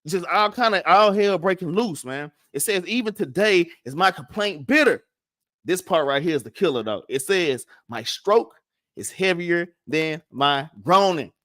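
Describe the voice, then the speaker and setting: A man's voice: high-pitched, lively intonation, measured pace, a bit bright, no room sound, clean studio sound. A man with a Southern US accent teaching a casual Bible class, stuttering and restarting often and tagging "man" and "all right?" onto his lines. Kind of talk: casual scripture lesson.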